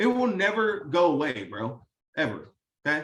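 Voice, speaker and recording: A man with a high pitch speaks loud in an animated, bright, sharp tone with lively intonation. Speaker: real estate wholesaling coach. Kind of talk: live Zoom teaching call. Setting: video call.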